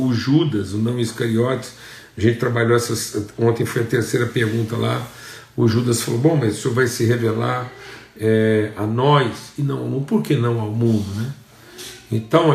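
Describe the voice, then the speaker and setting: A Brazilian pastor preaches at a deliberate, unhurried pace, leaning on repetition and sudden lifts in pitch for emphasis. His voice sits in an ordinary male register. The sound is roomy, with a clear echo around him. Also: darkish tone. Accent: Brazilian Portuguese. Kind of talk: sermon.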